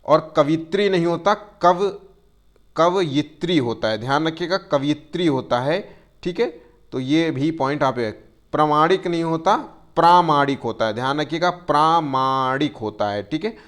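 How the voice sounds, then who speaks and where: Male grammar tutor, fairly high voice, habitual fillers, stretches words slowly to spell them out, keeps reminding students to take care. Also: expressive. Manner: tells students to take care and keeps checking "theek hai". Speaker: teacher. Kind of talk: exam-prep Hindi grammar lesson.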